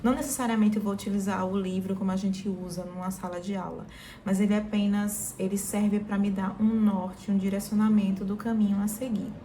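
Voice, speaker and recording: A Brazilian woman in her thirties speaks in a soft, warm, mellow voice. She walks through her own experience in a casual vlog, often stopping to restart her sentences. Faint background noise hums under the recording. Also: medium pitch, brisk. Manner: relaxed, frequent fillers and restarts. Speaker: vlogger.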